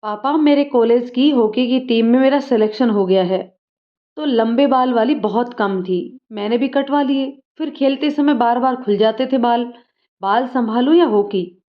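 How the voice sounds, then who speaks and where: A woman voicing a lively, outspoken young college girl, on slightly dull audio. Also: fairly high pitch, unhurried, close to an everyday voice. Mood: frank.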